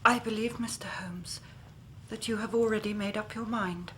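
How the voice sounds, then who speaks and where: A woman's voice: mid-range voice, fairly even intonation, normal speed, slight background noise, natural voice. An actress playing an anxious young Victorian woman in a radio drama.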